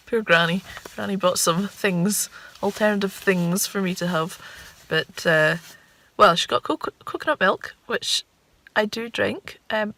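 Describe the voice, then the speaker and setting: Creaky-voiced Shetland woman vlogging casually. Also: medium pitch, a bit bright. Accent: Shetland Scots. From Shetland, Scotland. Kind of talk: casual vlog chat.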